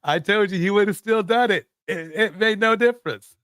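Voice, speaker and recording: A man's voice: high voice, normal speed, a bit bright, smooth, no echo, clean studio sound. A man hosting a reaction show, commenting casually and repeating himself for emphasis, often with a chuckle.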